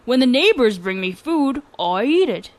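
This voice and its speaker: A lazy, arrogant young man lounging in a shed talks in a loud, slow drawl. A woman reading a fairy tale puts him on. He sounds indifferent and haughty. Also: a little high, very animated.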